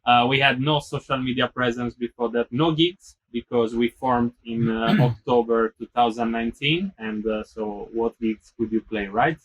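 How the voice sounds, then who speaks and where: A man from Italy, a band member calmly explaining things in an interview. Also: medium pitch, moderate pace, hardly any pauses, husky, low-quality recording. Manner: steady, explanatory, light fillers. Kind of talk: casual interview answers.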